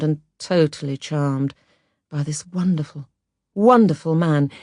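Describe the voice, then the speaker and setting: A woman narrating an autobiography audiobook in a measured, expressive storytelling manner. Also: low-pitched, no room sound, clean studio sound. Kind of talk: scripted memoir narration.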